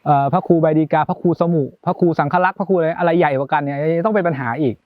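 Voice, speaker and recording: A man's voice: on the high side, rapid-fire, no room sound, narrow, tinny audio. A man hosting a show, reading a book chapter aloud and explaining it with playful, chatty asides and acted-out examples. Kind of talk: reading aloud with casual commentary.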